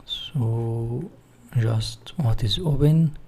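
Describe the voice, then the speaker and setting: A man who is a non-native English speaker giving an instructional software walkthrough, explaining step by step and posing questions that he then answers. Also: medium pitch, drawn-out words, breathy edge. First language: not English. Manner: didactic, asks and answers own questions. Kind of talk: screen-share software walkthrough, part read from notes.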